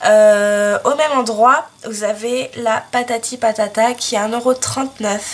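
Her intonation fairly even, a woman talks with a fairly high pitch. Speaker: craft hobby vlogger. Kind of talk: casual vlog. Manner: hesitant, many fillers. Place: home room. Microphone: phone near.

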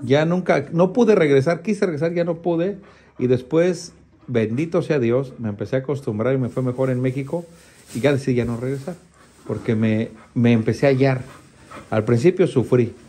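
A man at medium pitch with lively intonation, a dark, mellow, somewhat breathy tone and a moderate pace against a quiet background. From Mexico. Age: 50s. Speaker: radio host visiting a retirement home. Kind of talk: casual interview on location.

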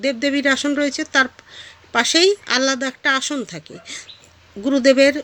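A woman talks at a high pitch, her pitch moving up and down in an ordinary way. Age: 60s. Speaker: YouTuber. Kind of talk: video blog rant. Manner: animated.

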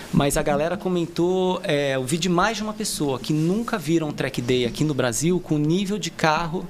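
This man has a high-pitched voice and talks at a moderate pace with hardly any pauses. Light background noise can be heard. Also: ordinary pitch variation. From Brazil. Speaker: automotive marketing agency owner; podcast guest. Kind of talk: casual chat. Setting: studio. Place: studio. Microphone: studio mic.

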